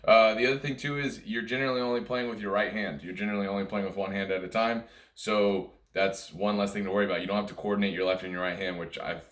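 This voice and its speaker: A man's voice: lowish voice, steady tone, fast talker, a bit bright. A man giving an informal music lesson, explaining things step by step in simple, conversational terms, recorded indoors. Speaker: music teacher and video host. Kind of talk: informal instructional talk. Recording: roomy, echoey room sound.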